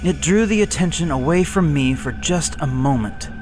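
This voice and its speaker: A man slowly reading a gothic horror story aloud in a measured, somber way. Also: fairly high pitch, lively intonation, over music. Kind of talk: scripted horror narration. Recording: hissy background noise.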